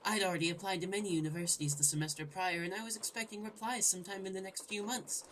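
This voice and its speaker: A woman's voice: mid-range voice, fairly even intonation, fast talker, a bit bright, slight background noise, low-quality recording. A woman hosting a gaming video, playfully reading the script aloud and commenting with irreverent, sudden exclamations. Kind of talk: let's play commentary, joking read-aloud narration.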